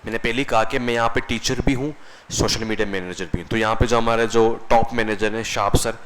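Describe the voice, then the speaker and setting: A man's voice: mid-range voice, steady tone, a little fast, a bit bright, slight background noise, rough recording. A man teaching a classroom lecture as a computer course instructor, conversational, often asking the class questions and answering them himself.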